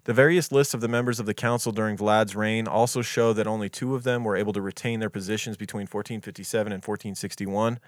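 A man's voice: lowish voice, fairly even intonation, fast talker, few pauses, no room sound. Casual man reading history, dry mic. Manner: reads dates and quotes, stumbles on foreign names, swears casually. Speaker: podcast co-host reading history. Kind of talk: casual true crime podcast, reading from notes.

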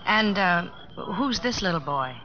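A woman's voice: lowish voice, lively intonation, a little slow. A woman playing a sensible, direct young small-town American woman in a radio drama. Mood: curious, teasing. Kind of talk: 1950s radio drama acting. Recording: dull old radio recording with music.

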